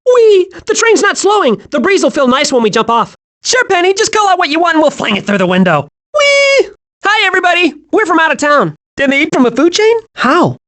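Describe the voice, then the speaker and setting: A hyperactive cartoon squirrel with a very high voice that swoops up and down. He is childlike and gleeful, chattering with wide-eyed, naive excitement as a video game character. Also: full character voice. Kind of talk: animated video game voice acting.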